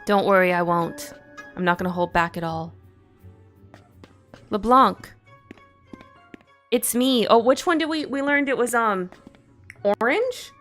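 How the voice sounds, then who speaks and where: A woman with a Southern US accent giving casual, playful commentary as she plays a video game, reacting out loud and laughing easily. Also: mid-range voice, measured pace, pauses often. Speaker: let's play streamer. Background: faint game music.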